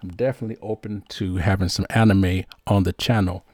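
A man's voice: sits low, fairly even intonation, brisk, darkish tone, dry recording, studio quality. A man hosting a show, reading viewer questions and chatting in an upbeat, casual way with frequent restarts. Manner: upbeat, many restarts and fillers. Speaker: host.

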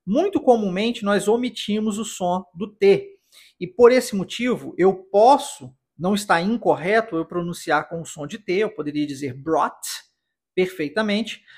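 A Brazilian English teacher with a husky voice, patiently explaining pronunciation step by step in a podcast lesson. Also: mid-range voice. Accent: Brazilian Portuguese.

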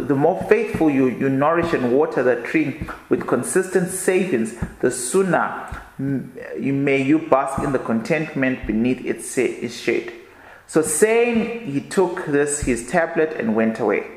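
A man reads a book aloud for his podcast in a tired, low-key way, tripping over words and starting them again before slipping into casual remarks. His voice sits at an ordinary middle pitch. The room around him is noticeably echoey. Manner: halting reading, often stumbles and restarts words. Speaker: podcast host.

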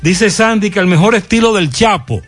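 A Dominican man with a fairly high voice reads breaking news as a radio anchor. Faint music plays under the broadcast. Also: animated, normal speed, slightly rough.

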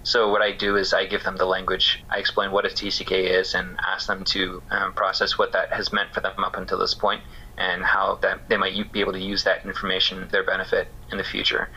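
A man shares his story as an interview guest, pausing often and restarting his thoughts. His voice is low-ish yet strikingly bright and forward. He sounds casual and searching rather than polished. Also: monotone, a little hiss or hum, poor audio. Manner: thoughtful, halting, many fillers. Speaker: interview guest, missions care worker. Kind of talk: casual reflective interview talk.

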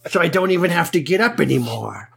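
A man with a husky edge to his voice swings his pitch widely as he trades playful jokes. His banter is loose and exaggerated, and he sits a little higher than most men. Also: lively intonation, quick pace, a bit bright. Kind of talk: joking banter.

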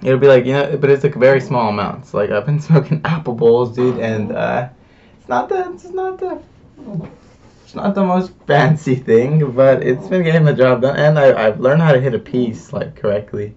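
Young male vlogger, relaxed rambling delivery heavy on fillers and slang; distant, slightly dull recording. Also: medium pitch, normal speed, hardly any pauses. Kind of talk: casual confessional chat.

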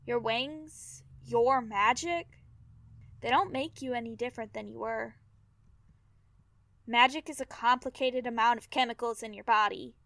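A woman plays an earnest young Fae companion in an audio drama. She speaks slowly in a fairly high voice, sincere, reassuring and plain-spoken. The sound is close and very dry. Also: gravelly, a bit bright, no room sound.

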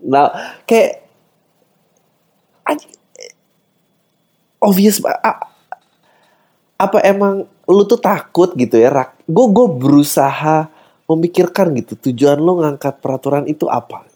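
A podcast host with a somewhat high, mellow voice speaks at a measured pace. He rants through an exasperated satirical comedy monologue, mixing English swearwords into his slang.

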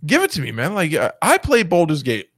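Lively teasing man, dry mic. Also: a little high, a little fast, no echo. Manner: teasing, laughs often. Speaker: podcast co-host. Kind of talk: casual gaming chat.

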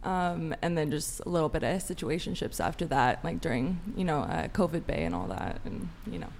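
A woman's voice: low voice, animated, a little fast, creaky, a little mellow, slight background noise. A woman in her twenties, a guest on a dating podcast, rambling and hedging as she talks. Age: 20s. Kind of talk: casual panel chat.

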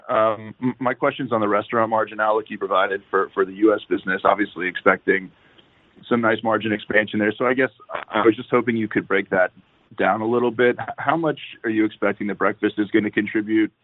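A man, a financial analyst, asking a measured question on an earnings call. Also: on the low side, fairly even intonation, dry recording. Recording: dry, tinny phone line.

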